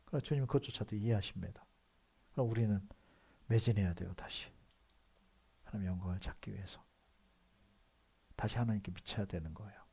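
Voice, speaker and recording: Pastor, male, Seoul accent, low husky voice; conversational sermon with quiet asides and loud bursts. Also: brisk, long pauses. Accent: Seoul Korean. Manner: conversational preaching with frequent affirming "yes" asides; swings between soft asides and loud emphatic outbursts.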